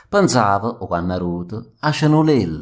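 The recording is very clean, with nothing audible in the background. A man does the talking. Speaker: poetry reader. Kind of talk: poetry reading in Neapolitan verse.

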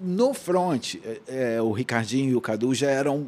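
Music plays in the background. Over it, a man with a medium pitch speaks with lively intonation. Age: 60s. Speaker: rock guitarist. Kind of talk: casual interview.

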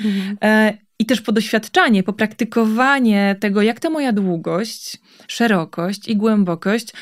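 A fairly high-pitched woman's voice at a moderate pace with ordinary pitch variation, on a very clean recording with a silent background. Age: 30s. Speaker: body-awareness and movement trainer. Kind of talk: casual interview.

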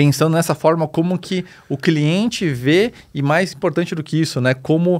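A man talks with ordinary pitch variation. Behind him, the background stays quiet. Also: moderate pace. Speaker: podcast guest, car journalist. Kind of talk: interview answer. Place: studio. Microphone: studio mic.

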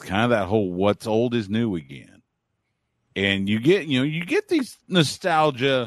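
A man talks in a medium pitch. His voice makes very wide pitch swings. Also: moderate pace. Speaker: wrestling podcaster. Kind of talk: casual wrestling discussion.

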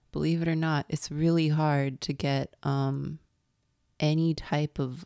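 A soft-spoken woman talks at a fairly slow pace with a very deep, low pitch and a dark, mellow tone. Her intonation is fairly even, and the sound is dry with no echo over a quiet background. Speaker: anime video essayist. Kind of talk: unscripted video essay. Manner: hushed, soft-spoken. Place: home room. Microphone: handheld.

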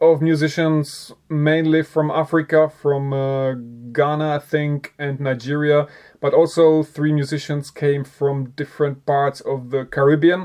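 The speaker has a Czech accent. The background is quiet. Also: man. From Czech Republic. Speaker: music vlogger and record collector. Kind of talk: casual video monologue reviewing records. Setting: at home. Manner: halting, many filler sounds. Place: home room.

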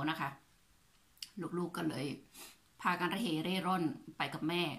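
A woman's fairly low voice with a bright, sharp tone and fairly even intonation. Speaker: food vlogger. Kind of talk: casual vlog chat telling life story. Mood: serious, reflective. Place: home room. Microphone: phone near.

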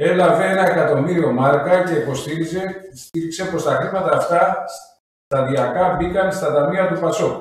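Strong room echo surrounds a man with a high pitch who speaks at a fairly slow pace. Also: ordinary pitch variation. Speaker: parliamentary candidate. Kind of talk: political interview. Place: studio.

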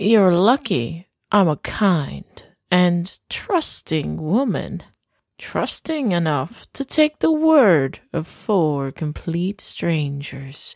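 A put-on character voice speaks at a middle pitch and a very slow pace. The recording is very clean, with a silent background. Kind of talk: 1920s noir audio drama. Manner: genteel, coolly menacing.

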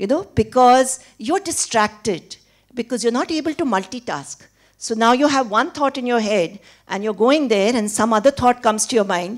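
A woman talks at a moderate pace with lively intonation. The background is quiet. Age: 60s. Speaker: neuropsychologist; lecturer on aging. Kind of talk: lecture. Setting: stage with audience. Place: hall. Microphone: podium.

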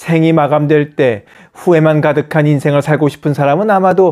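A man's moderate-paced speech with ordinary pitch variation over a quiet background. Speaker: channel host. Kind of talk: motivational talk to camera. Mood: calm, earnest. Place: office. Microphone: lapel.

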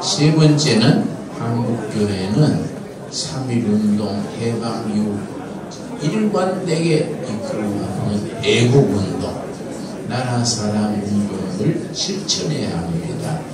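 A man talks at a very slow pace with audible room echo and music in the background. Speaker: pastor giving a patriotic lecture. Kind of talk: sermon. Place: hall.

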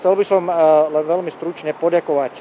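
Over light background noise, a man speaks in a monotone, flat intonation, the sound dry with no echo. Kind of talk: press statement. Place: street. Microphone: handheld.

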